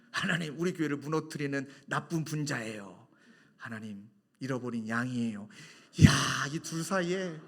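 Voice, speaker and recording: Animated, bright-voiced Korean male pastor preaching. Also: on the high side. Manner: animated, shifts from loud emphasis to soft confiding tones. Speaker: senior pastor. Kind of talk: sermon.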